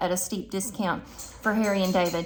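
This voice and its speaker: A somewhat breathy woman's voice with an American accent. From US South. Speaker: YouTuber. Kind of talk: unboxing video. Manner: slow.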